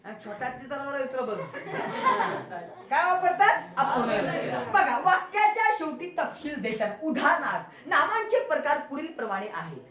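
A Marathi-accented woman teacher, her voice sitting high and sing-song at a normal speed, gives a grammar lesson to children, playfully teasing them and quizzing them with call-and-response. A crowd is audible in the background of the echoey classroom, along with children's voices.

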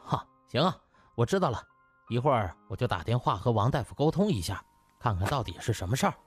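A man acts out a cheeky young male doctor from an audio drama. He flatters effusively in a husky voice with very lively, swinging intonation, over background music. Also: medium pitch, fast talker. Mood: casual.

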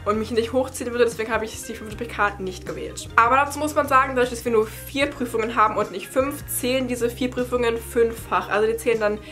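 A young woman from Berlin speaks in a fairly high, bright voice. She explains things in a chatty, informal way, as a study-advice vlogger would when answering questions to camera at home. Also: fairly even intonation, fast talker, few pauses, soft background music. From Berlin, Germany. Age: young adult. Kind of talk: casual Q&A chat to camera. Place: bright attic room at home.

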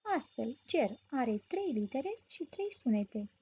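High-voiced woman telling a grammar story. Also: sing-song, mellow. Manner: clear, explanatory storytelling. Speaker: teacher. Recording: dull lo-fi recording.

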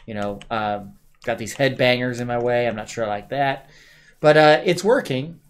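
A man hosting a gameplay video, calmly explaining his build step by step with plenty of "uh"s, while his voice is going a bit hoarse. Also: mid-range voice, normal speed. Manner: relaxed, explaining step by step with many "uh"s. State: losing his voice. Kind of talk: casual building commentary.

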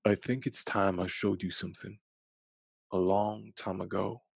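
A gentle old storybook grandfather, read by a man, speaks low and gravelly. His phrasing is folksy and honest, meant to reassure a child. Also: little pitch movement, a little slow, no room sound, exaggerated voice. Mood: reassuring.

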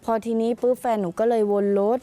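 Young woman guest on tv, mellow darkish voice, tells it step by step, polite. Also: quick pace. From Thailand. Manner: plain, detailed retelling, calls herself 'หนู', many polite 'ค่ะ'. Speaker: interview guest. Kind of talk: recounting an incident in a TV interview.

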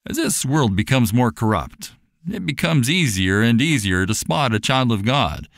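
A man's voice: mid-range voice, sing-song, moderate pace, gravelly, no room sound, clean studio sound. A man voicing a kindly, devout fair owner in a storybook, speaking in an earnest, preaching, emphatic way. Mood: warm, assured.

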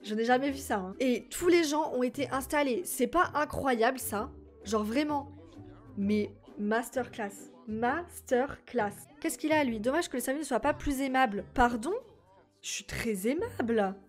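High-pitched excitable young woman gamer. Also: a little fast, soft background music. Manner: chatty, excitable, talks straight to viewers. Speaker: gaming YouTuber. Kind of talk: casual let's-play commentary.

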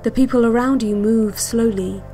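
Female cassette instructor played by a woman for audio drama: slow, clinical, hypnotic and quietly controlling, light music underneath. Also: a little high, steady tone, natural voice. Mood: calm, controlled. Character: calm, controlling female relaxation-tape instructor. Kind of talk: guided visualization cassette narration.

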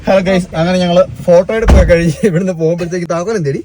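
A man's voice: high-pitched, fairly even intonation, rapid-fire, background noise. A man talking casually to viewers as a family vlogger, chatty and rambling, recorded outdoors by a car on a handheld phone. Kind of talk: casual vlog talk to viewers. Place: outdoors by a car after church.

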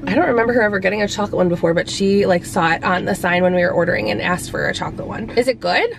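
A woman's voice: mid-range voice, racing, gravelly, a crowd in the background. A pregnant woman in her thirties chatting to camera in a parked car, rambling casually with lots of fillers. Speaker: vlogger, mom. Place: parked car, then a store. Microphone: camera held at arm's length.

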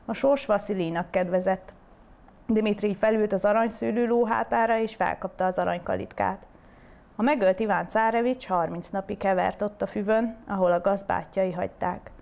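A woman reading a long fairy tale aloud as storyteller, with steady, clear delivery. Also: medium pitch.

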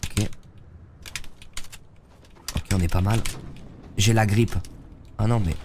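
A young man with a head cold streams a game from a gaming chair, chatting with viewers in loose, slangy talk. His voice is on the low side, with a steady tone and slow pace, over background noise.

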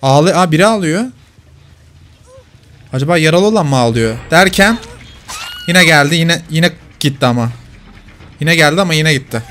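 A man's voice: on the high side, lively intonation, moderate pace, long pauses, fairly bright tone. A man commenting live on his own gameplay, teasing the players he hunts.

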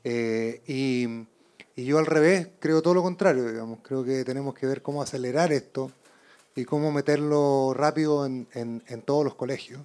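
A middle-aged man speaking spontaneously from the audience at a public talk, halting and repeating words as he builds his question. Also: mid-range voice, darkish tone. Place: auditorium. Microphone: handheld microphone.

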